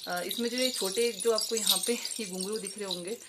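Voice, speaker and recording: Young woman, mid-pitched, casual chatty vlogger with many hesitations; noisy home recording. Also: steady tone, a little fast. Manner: chatty, hesitant with many fillers and self-corrections. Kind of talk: casual show-and-tell vlog. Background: jingling jewellery and bells.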